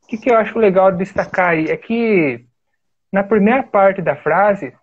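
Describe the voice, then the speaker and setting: A Brazilian man with a husky, high voice teaches an online lesson on Chinese characters at a normal speed, walking through each step and pointing at things on screen. He often adds "né?" as a study group teacher, and the call audio sounds tinny and phone-like, though free of echo.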